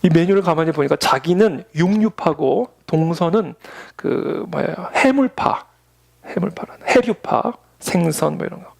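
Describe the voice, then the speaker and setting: A man's voice: fairly high pitch, lively intonation, measured pace, creaky, darkish tone. A man preaching a Sunday sermon as pastor, telling stories and acting out the voices of the people in them. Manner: storytelling, acts out quoted voices.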